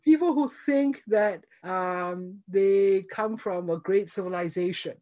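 A woman's voice: mid-range voice, slow pace, mellow. A woman in her seventies from Singapore, a guest in an interview, answering in a chatty, reflective way with frequent fillers and light laughter. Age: 70s.

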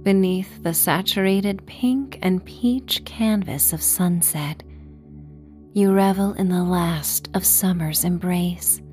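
Slow, low-pitched woman sleep story narrator. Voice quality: soft, breathy, at times near whisper. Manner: slow, gentle, measured. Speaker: podcast host and meditation guide.

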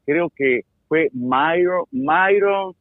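A man's voice: fairly high pitch, extremely slow, phone-quality sound. An older man with a Cuban accent, an actor chatting casually and telling joking stories. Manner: joking storyteller, acts out quotes. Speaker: actor and guest. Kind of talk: casual chat.

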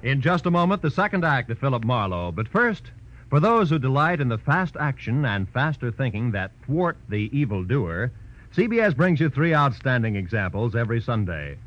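An American man announcing in the style of mid-century network radio. His delivery is grand and emphatic, with lively swoops in pitch. The recording is dull and muffled. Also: moderate pace, soft background music. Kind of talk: 1940s-50s radio announcing, scripted promo.

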